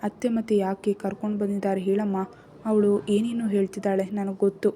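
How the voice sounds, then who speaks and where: A woman's voice: mid-range voice, level tone, normal speed, a little hiss or hum, natural voice. A woman doing a grieving young husband. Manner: soft, broken, pleading apologies.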